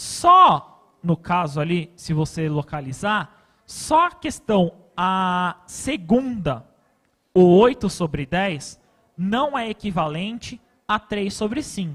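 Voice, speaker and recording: Very slowly, a man with a high voice projects loudly in a bright, sharp tone with lively intonation. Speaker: math teacher. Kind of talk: lesson.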